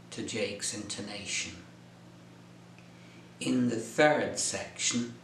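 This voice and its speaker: A male English tutor gives scripted lesson instructions in a slow, deliberate, clear delivery. His voice sits at a middle pitch, and the room has a noticeable echo with a faint hum underneath. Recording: echoey room.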